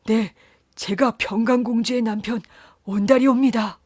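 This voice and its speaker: A woman's voice: mid-range voice, lively intonation, moderate pace, vocal fry, darkish tone, breathy edge, dry recording, studio quality. A woman voicing a brave young male general in a folktale, speaking earnestly and formally. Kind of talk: storybook narration.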